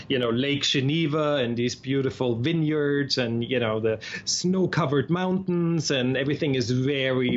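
An Austrian-accented man chats loosely in an interview, doubling back on words as he talks. His voice sits in a middle register. The recording sounds a little dull and lo-fi, with faint noise underneath. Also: medium pitch. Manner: chatty, frequent restarts and repeated words. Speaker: guest. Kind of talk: casual interview conversation.

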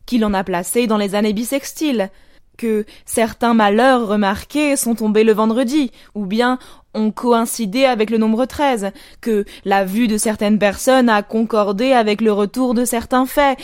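A woman reading a classic short story aloud in a measured, deliberate way, with dramatic pauses. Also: a little high, dry recording, clean studio sound. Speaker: audiobook narrator.

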